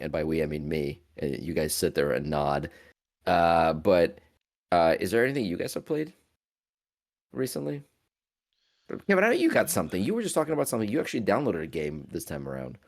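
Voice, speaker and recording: A middle-aged man chats casually as a podcast co-host, ribbing his friends. His voice sits very low but rises and falls with animation. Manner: joking, teasing, animated. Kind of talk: casual chat.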